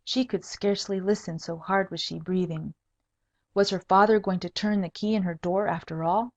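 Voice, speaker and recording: A woman's voice: on the low side, fairly even intonation, normal speed. A woman reading a humorous tale as a scripted audiobook narration. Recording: dull lo-fi audiobook recording.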